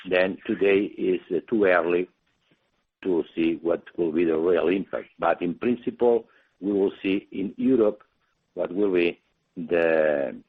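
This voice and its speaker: Male executive, non-native English speaker, very deep husky voice, explanatory, tinny phone audio. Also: measured pace. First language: not English. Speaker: company executive answering analysts. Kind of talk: spontaneous business Q&A on a conference call. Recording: muffled narrowband phone line.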